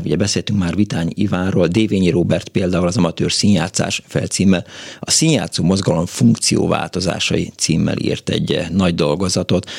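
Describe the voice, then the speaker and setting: Gravelly deep-voiced male radio host. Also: no echo, clean studio sound. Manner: rambling, many hesitations. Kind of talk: call-in radio show.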